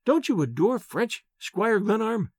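A coquettish teenage schoolgirl, as a male reader plays her, high and swooping in pitch. She is arch, breathless and mocking, with a theatrical affectation in her storybook dialogue. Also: very animated, unhurried, no room sound, studio quality, full character voice. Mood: playfully haughty. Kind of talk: audiobook character dialogue.

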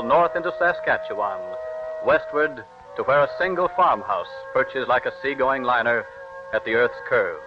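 A man announcing and narrating a vintage radio drama in a formal, declamatory manner. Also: medium pitch. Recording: muffled vintage radio broadcast with orchestra.

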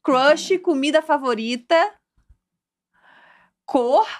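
A woman's voice: sits high, extremely slow, noisy background. A woman co-hosting a podcast, running a party game with teasing, mock-competitive banter. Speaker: podcast co-host.

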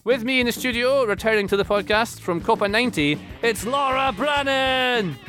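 A man's voice: sits high, quick pace, fairly bright tone, faint music behind. A man hosting a football podcast from a studio, with upbeat presenting and banter. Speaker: podcast host.

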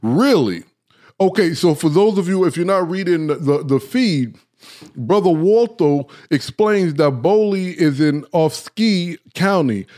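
A man hosting a casual talk show, speaking straight to his audience, often checking in with "right?" and "okay?" and stumbling over his words when he gets excited. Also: on the high side, a little slow. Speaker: host. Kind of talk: casual talk, live-stream lecture.

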